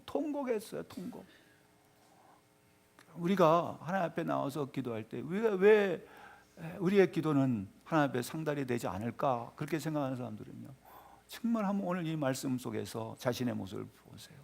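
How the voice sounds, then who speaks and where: A male pastor delivering a Sunday sermon in a church. He calls out to the congregation directly and swings between loud exclamations and hushed tones. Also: medium pitch, sing-song, a little fast, gravelly. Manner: addresses the congregation directly, often calling out to them. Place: church sanctuary.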